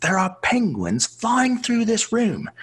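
Using a put-on character voice in an English accent, a man speaks at a high pitch. His pace is fairly slow. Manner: deliberately bad accent, comic.

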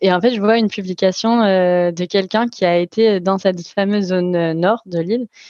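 A woman's medium-pitched voice in a monotone, flat intonation, dry and close with no echo. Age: 20s. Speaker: traveller telling her travel story. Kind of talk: personal travel testimony. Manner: hesitant, many fillers and restarts.

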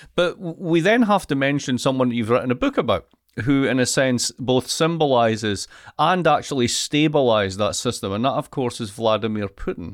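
A man with a Scottish accent speaks at a medium pitch and a fairly quick pace, his intonation lively, on a very clean recording with a silent background. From Scotland, Dundee. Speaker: podcast host, political economist. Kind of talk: interview.

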